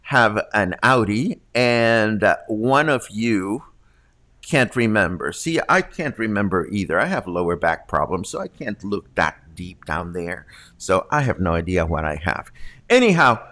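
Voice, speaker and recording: A man's voice: fairly low pitch, big pitch swings, a little slow, fairly bright tone. A man in his fifties hosting a casual local news livestream from home, congested from allergies, chatting through viewer comments. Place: home room with studio mic. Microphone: large studio condenser mic.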